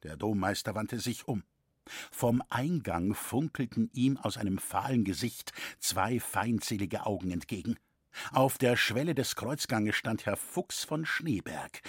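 A man reading a historical novel aloud in a measured storytelling manner. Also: on the low side, slightly rough, no echo, clean studio sound. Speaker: reader. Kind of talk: audiobook reading.

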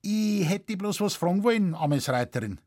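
A man's voice: high voice, expressive, normal speed, darkish tone, dry recording, clean studio sound, voice pushed up. A man voicing a crafty, modest Bavarian forest warden who talks plainly in dialect, with a Bavarian accent. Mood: plain sly.

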